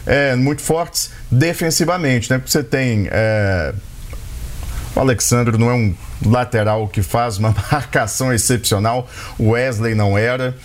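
A man from giving measured, analytic sports commentary on a radio show. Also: mid-range voice.

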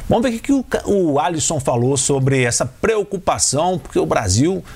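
A man hosts a live sports radio show, reading listener messages in a chatty way. His voice is husky, pitched a little high, and rises and falls a lot. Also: lively intonation, normal speed, darkish tone.

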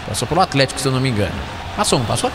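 A man with a Brazilian accent narrating a live football match on radio, fast and excited, shouting at the big plays. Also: medium pitch, long reverb tail, background noise. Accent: Brazilian Portuguese.

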